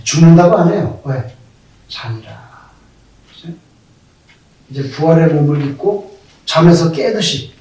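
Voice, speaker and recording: A male pastor preaching a sermon, telling stories in an animated way and acting out the quoted speech of the people in them. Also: sits high. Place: church sanctuary. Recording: very echoey hall, voice from far off.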